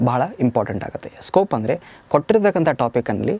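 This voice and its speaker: A man speaks with a dark, mellow tone and lively intonation. The sound is dry, with no echo. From Belagavi district, northern Karnataka; Karnataka. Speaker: civil servant. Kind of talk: exam preparation advice talk. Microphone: lapel.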